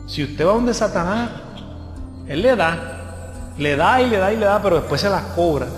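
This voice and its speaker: A male guest preacher, delivering a lively sermon and acting out the voices of people in his stories. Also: high-pitched, moderate pace, faint music behind. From Colombia. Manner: lively storytelling, acts out voices of others. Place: church hall. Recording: echoey church hall with long reverb.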